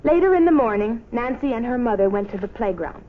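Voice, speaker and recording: A woman reading a children's story as an expressive scripted narration. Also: on the high side, a little fast. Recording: muffled noisy old film soundtrack.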